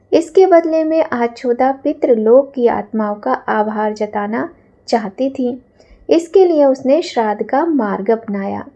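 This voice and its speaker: A woman telling a devotional story and then reciting a prayer in a slow, sing-song chant, speaking reverently to devotees. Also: a little high, warm tone. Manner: reverent, addresses devotees directly.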